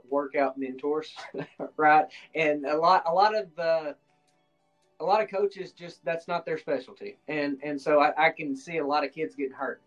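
A man hosts an interview with a slightly high voice. He asks his questions in a friendly, loose way, stumbling and restarting as he goes. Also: low-quality recording. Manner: friendly, halting, with frequent restarts and fillers. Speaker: podcast host.

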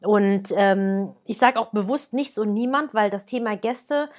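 A woman's voice: mid-range voice, a little slow. A woman in her thirties, born in Germany, talking casually and directly to the listener as a wedding planner giving advice. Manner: chatty, lively, speaks directly to the listener.

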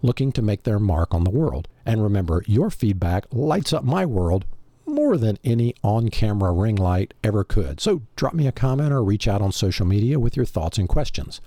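Husky, animated male podcast host. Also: on the low side, normal speed, dry recording. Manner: rhetorical, addressing the listener directly. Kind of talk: scripted motivational monologue.

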